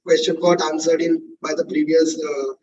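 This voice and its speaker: A man's voice: fairly high pitch, level tone, moderate pace, darkish tone, lo-fi sound, slight background noise. Man on an echoey, distant line. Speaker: individual investor on a call.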